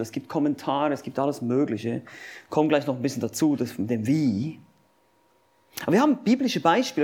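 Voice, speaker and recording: Male preacher, animated pitch, emphatic sermon delivery with rhetorical questions and lists. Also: husky. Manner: addresses listeners directly.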